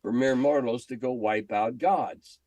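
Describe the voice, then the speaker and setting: A man's voice: mid-range voice, a little slow, dark tone, dry recording. An older American man reminiscing in an interview in a blunt, salty, opinionated way. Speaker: veteran game editor being interviewed.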